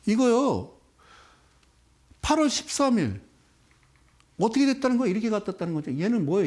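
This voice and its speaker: A man giving an animated stock investment lecture, teasing the audience with rhetorical questions and repeating key words for emphasis. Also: high voice.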